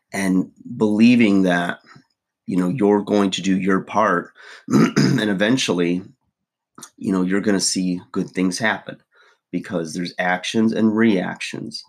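A man with a very low, husky voice speaks to his viewers early in the morning. His groggy voice carries a loose, rambling coaching talk with plenty of fillers. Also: takes it slowly. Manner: rambling, many fillers and asides. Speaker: fitness coach and vlogger. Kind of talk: casual motivational talk to camera.

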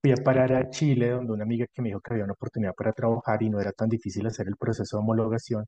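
A man with a Colombian accent, a dentist answering conversationally as an interview guest, explaining things in a measured way. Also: lowish voice, little pitch movement, dark tone, dry recording. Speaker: podcast guest, dentist specialised in prosthodontics and implants.

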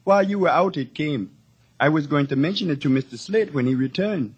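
A man playing a loyal, gentle and droll hotel helper in a 1950s radio drama. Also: on the high side, animated, brisk, breathy edge, muffled recording. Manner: refers to himself in third person, droll.

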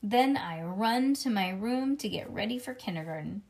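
A woman voicing a boastful, excitable kindergarten girl who narrates her day in childish grammar, as in a storybook read-aloud. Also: medium pitch, normal speed, natural voice. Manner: childish grammar, bragging, dramatic emphasis.

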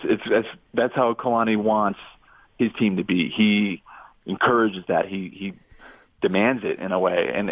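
A man in his twenties, a former quarterback calling in to a radio talk show, speaking in a halting way with many restarts. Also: lowish voice, no room sound. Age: 20s. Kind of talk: casual radio interview call-in. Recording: tinny phone line.

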